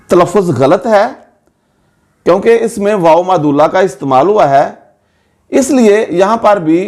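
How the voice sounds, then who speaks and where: A male language teacher walks students through a pronunciation rule. He speaks in a slightly raised register and pauses on each example word so the class can hear it properly. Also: high-pitched, a little mellow. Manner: slow, careful, repeats words for pronunciation. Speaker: Urdu grammar teacher. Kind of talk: explanatory lesson to students.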